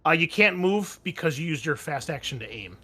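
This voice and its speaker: A man's voice: fairly high pitch, sing-song, a little fast, pushed and bright, husky. A man narrating a tabletop roleplaying game as game master, mixing descriptive scene-setting with informal rules talk.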